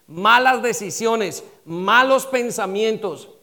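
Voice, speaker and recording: A male pastor preaching a sermon with passion, asking the congregation to repeat words after him and acting out imagined excuses and prayers, swinging between loud calls and hushed pleas. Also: high-pitched, slow pace, creaky.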